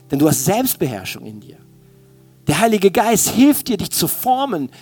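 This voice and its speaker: A man preaching a sermon in an informal, colloquial way, animatedly speaking straight to his listeners. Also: high-pitched. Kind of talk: sermon in informal youth language.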